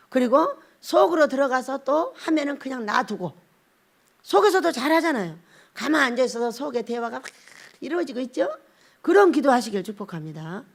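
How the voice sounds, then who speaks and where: A woman pastor giving a blunt, scolding sermon and acting out little scenes as she preaches. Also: sits high.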